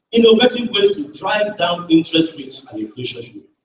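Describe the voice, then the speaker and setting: The pace is fairly quick, with audible room echo. Noticeable background noise runs underneath. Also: man. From Nigeria. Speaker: engineering professor. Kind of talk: lecture. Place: hall.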